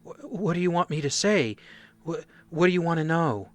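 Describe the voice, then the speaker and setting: A man playing a shaken, nervous mercenary foot soldier who gives halting, stammering testimony in a radio play. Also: a little high, lively intonation, voice pushed up, close to an everyday voice. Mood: nervous, reluctant. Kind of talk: radio play dramatic monologue.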